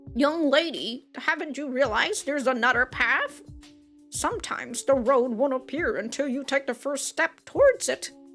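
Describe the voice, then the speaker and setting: Faint music plays in the background as a woman does a put-on character voice. Her pitch is high and her pace moderate. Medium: solo performance. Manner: cryptic, wise.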